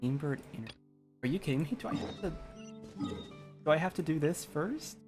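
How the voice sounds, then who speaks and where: A woman's voice: sits low, very animated, fairly quick, a little mellow, soft background music. A young woman giving casual, slangy, rambling commentary while playing a video game. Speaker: gaming streamer.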